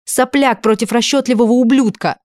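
A woman voicing a furious young woman who shouts accusations in a raised, shrill voice in an audiobook. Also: measured pace, slightly rough, dry recording, clean studio sound. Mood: furious shouting. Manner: shouting, high and shrill, barking.

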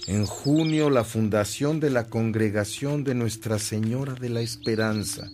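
An actor playing a kindly, zealous Catholic priest in a radio drama, earnest and declamatory. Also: male voice, mid-range voice, measured pace, a little mellow, soft background music, close to an everyday voice. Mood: proud.

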